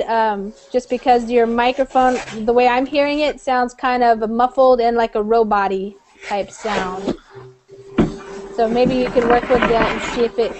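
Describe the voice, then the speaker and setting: A woman's voice: fairly high pitch, noisy background. A woman from the United States teaching an online English class over a video call, friendly and chatty with many fillers.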